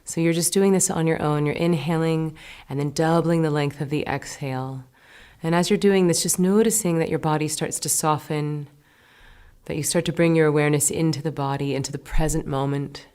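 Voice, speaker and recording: A woman meditation teacher guiding a breathing meditation in a slow, soothing, gentle way, sometimes dropping to a soft whisper. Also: low voice, steady tone. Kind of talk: guided meditation.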